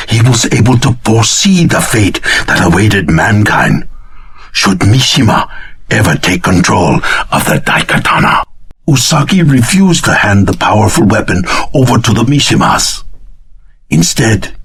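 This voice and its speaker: An actor playing an elderly, earnest and secretive nobleman in a video game, with a breathy, raspy voice and a formal, courteous, deliberate delivery. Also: on the low side, fairly bright tone, full character voice. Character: frail elderly Japanese nobleman, earnest, secretive, solemn storyteller. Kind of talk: video game voice acting, dramatic exposition.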